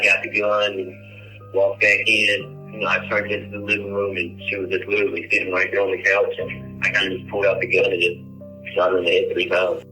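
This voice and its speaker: Man confessing flatly over a prison phone. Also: lowish voice. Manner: flat, detached confession. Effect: heard over a prison phone call. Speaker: inmate. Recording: distant tinny prison phone line.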